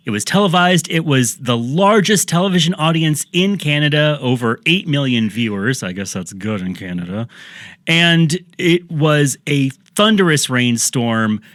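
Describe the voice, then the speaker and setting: A man's voice: fairly high pitch, expressive, measured pace, a bit bright, dry recording, clean studio sound. A man hosting a podcast, telling a story in casual chat with jokey asides. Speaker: podcast host.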